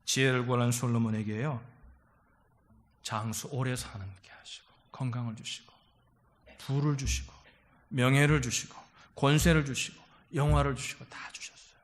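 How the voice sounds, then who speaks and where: A man pastor preaching a sermon in a church, animated, acting out quoted voices and calling out hallelujah. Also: medium pitch, normal speed, long pauses. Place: church sanctuary.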